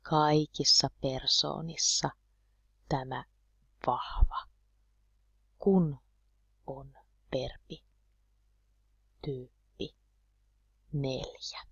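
A woman with a low voice teaches a lesson at a slow, deliberate pace, spelling out each word so learners can follow. The sound is dry and a little dull, with no room around it. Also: fairly even intonation, no room sound. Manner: slow, deliberate, repeating words clearly for learners. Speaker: Finnish language teacher.

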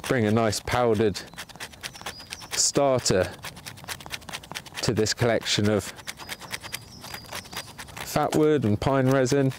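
This bushcraft host talks slowly in a mid-range voice, pausing often as he demonstrates for his livestream viewers. He's outdoors in sunny woodland with the camera pointed down at his hands, and a little hiss or hum sits under the audio.

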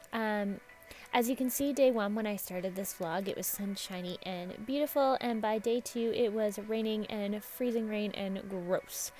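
A woman's voice: medium pitch, darkish tone. A woman, a nail technician, giving an upbeat, chatty voice-over for her vlog. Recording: voice-over with faint music behind.

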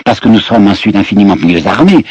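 A man's voice: lowish voice, animated, a little fast, darkish tone, breathy edge, no room sound. A man voicing an impassioned male orator addressing parliament, with rising, emphatic delivery. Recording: dull lo-fi archive recording.

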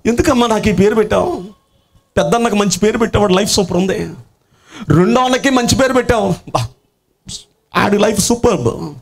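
A preacher acting a despairing grown son. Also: male voice, high-pitched, fairly quick, gravelly, long pauses. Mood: pleading. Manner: pleading, wailing complaints. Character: grown son in despair, cursed by his name.

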